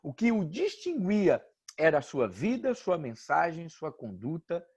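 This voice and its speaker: A Brazilian pastor, a man preaching an informal sermon with joking stories and animated asides. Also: fairly high pitch, unhurried, breathy edge. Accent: Brazilian Portuguese.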